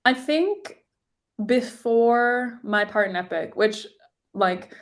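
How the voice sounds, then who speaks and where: A woman's voice: on the high side, expressive, slow. A young adult woman, a singer-songwriter guest, chatting casually in an interview and using lots of "like" fillers. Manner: chatty, heavy use of "like" fillers.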